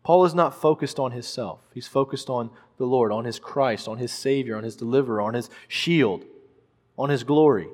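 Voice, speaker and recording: A man's voice: mid-range voice, moderate pace, darkish tone, in a large hall. A man preaching a sermon, earnest and emphatic, repeating phrases for stress.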